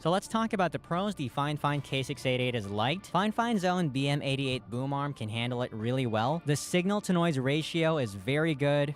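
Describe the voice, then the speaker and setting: Man explaining microphone pros and cons. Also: fairly high pitch. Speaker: microphone reviewer. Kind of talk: scripted product review.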